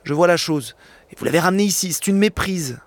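A man reading aloud as a gentle, serene old bishop who speaks calmly and kindly. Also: high voice, fast, dry recording, close to an everyday voice. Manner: calm, kindly, a touch solemn.

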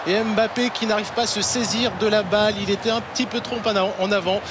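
A man calling a live football match as play-by-play commentator, excitable and full of fillers. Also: sits high, quick pace, over a noisy crowd, heavy background noise.

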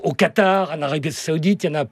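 Male interviewer, higher-pitched and husky, lively questioning. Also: quick pace, dry recording. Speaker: radio interviewer. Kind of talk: literary radio interview.

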